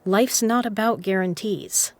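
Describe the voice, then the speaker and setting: A woman's voice: medium pitch, unhurried, darkish tone, dry recording, natural voice. A woman acting in an audio drama as a confident, teasing poker player who is frank and caring. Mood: caring, insistent.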